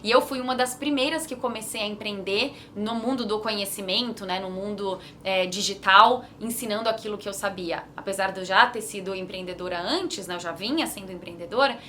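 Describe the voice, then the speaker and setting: Bright-voiced Brazilian woman vlogging. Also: medium pitch, fairly quick, hardly any pauses, slight background noise. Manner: chatty, earnest, many fillers like "né". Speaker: vlogger and digital business mentor. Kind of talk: casual talk to camera.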